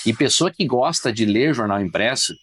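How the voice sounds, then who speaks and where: A man, a journalist guest, talking in a casual podcast interview, opinionated and emphatic, telling stories quickly. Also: medium pitch, lively intonation, fairly bright tone, husky.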